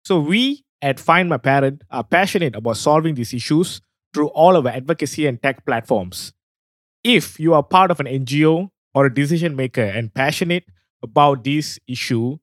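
A man's voice: on the high side, expressive, normal speed, no room sound. Earnest male podcast host, dry sound. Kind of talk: scripted podcast outro.

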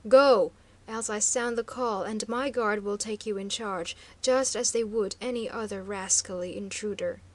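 A woman voicing a proud male master of guards who speaks in a cold, stern, measured way. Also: on the high side, steady tone.

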